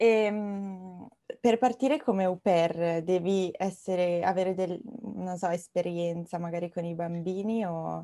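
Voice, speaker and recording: Her voice has a dark, mellow tone at a medium pitch. The woman talks at a fairly slow pace with fairly even intonation. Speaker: podcast host. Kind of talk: casual interview.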